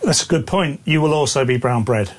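A man's voice: mid-range voice, lively intonation, brisk. A man co-hosting a radio show, bantering with dry jokes. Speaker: radio co-host. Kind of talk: casual radio chat.

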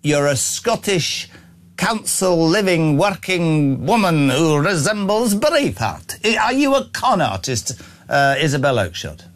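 A man's voice: fairly high pitch, very animated, unhurried. A male talk show host in playful, mock-serious chat, ribbing his guest. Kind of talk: brash teasing radio chat.

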